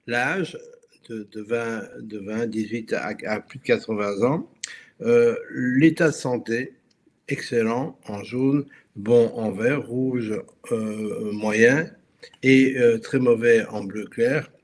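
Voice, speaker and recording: A Belgian-born man giving a webinar presentation over a video call, speaking haltingly with many restarts and fillers. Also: medium pitch. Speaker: guest speaker.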